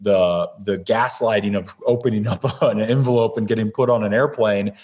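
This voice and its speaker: A man's voice: on the low side, steady tone, normal speed, darkish tone. A man who is a guest on a podcast, talking bluntly and animatedly in casual chat and sometimes mimicking other people.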